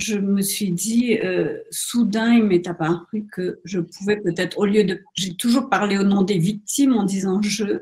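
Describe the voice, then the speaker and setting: A dark, mellow, somewhat breathy voice at a very slow pace, fairly even in intonation, with hardly any pauses. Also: woman, medium pitch for a woman. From Mauritius. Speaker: novelist. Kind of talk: interview.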